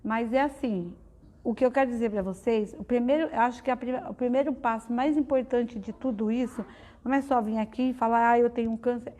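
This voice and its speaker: A woman's voice: a little high, brisk, dark tone. Heartfelt middle-aged woman giving testimony. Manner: heartfelt, conversational, with frequent fillers. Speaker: guest speaker at a spiritist study center. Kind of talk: personal testimony talk.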